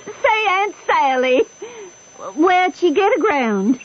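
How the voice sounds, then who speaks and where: A woman's voice: very high-pitched, sing-song, takes it slowly, heavily acted. A woman playing an affectionate, bossy farm aunt with an American Southern accent, folksy and exclamatory, in an old radio drama. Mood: joyful, fussing. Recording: dull old radio recording.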